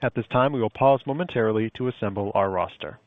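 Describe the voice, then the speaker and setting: A man's voice: on the low side, quick pace, no echo. A man giving scripted instructions as a conference call operator. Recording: dry narrow phone line.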